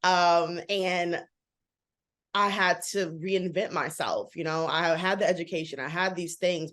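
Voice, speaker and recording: A woman in her thirties chats as an interview guest. Her voice sits a little low, and she talks fast and animatedly with lots of "like" fillers. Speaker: guest, author and model. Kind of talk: casual interview talk.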